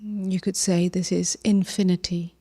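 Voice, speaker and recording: Woman meditation teacher, really slow n gentle, mellow soft voice, lots of pauses, kinda breathy endings. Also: fairly low pitch, little pitch movement. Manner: gentle, unhurried, with long pauses. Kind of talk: guided meditation.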